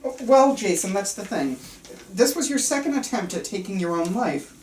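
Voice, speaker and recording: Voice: medium pitch, sing-song, normal speed, a little mellow, a little hiss or hum, close to an everyday voice. A person reading the part of a chirpy, patronizing psychiatrist at a table read, with breezy, reassuring bedside talk. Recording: roomy, picked up from far off.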